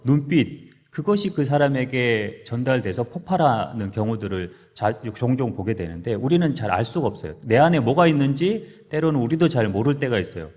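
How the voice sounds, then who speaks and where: A male pastor speaks at a marriage seminar in a church hall. He tells stories with a lively, swinging delivery. His voice sits in the middle range and rings with long reverb. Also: mid-range voice, brisk. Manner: lively storytelling, acting out quarrels with sudden loud lines.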